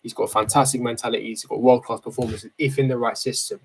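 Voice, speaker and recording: An eighteen-year-old football fan streams from a small bedroom, casually reading and answering viewer comments through a desk microphone close in front. His mid-pitched voice is flat, quick and slightly rough, and he is slangy and opinionated, often repeating a phrase to push his point.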